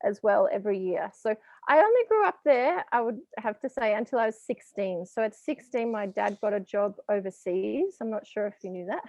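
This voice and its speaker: A woman's voice: mid-range voice, animated, moderate pace, darkish tone, no echo. An Australian woman in her thirties, telling stories in a casual interview and laughing often. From rural Victoria, Australia. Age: 30s. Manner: chatty storytelling, laughs often. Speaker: guest.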